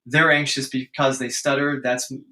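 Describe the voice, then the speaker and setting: A man with a bright, clear-edged voice at an average pitch explains clinical ideas earnestly in casual podcast talk. He often repeats and restarts words as he thinks aloud. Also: little pitch movement, moderate pace. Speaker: guest speech-language pathologist. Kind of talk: conversational podcast interview.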